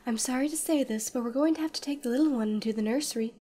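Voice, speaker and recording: An actress playing a kindly, reassuring pony nurse in a fan radio drama. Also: female voice, a little high, rapid-fire, lightly acted. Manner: gentle, reassuring.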